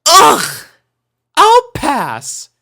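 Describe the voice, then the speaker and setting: A woman's voice: sits high, huge pitch swings, extremely slow, sharp tone, voice pushed up, full character voice. A woman voicing a prissy, ladylike, easily offended teenage girl in a story, with a haughty, fussy manner. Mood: disgusted.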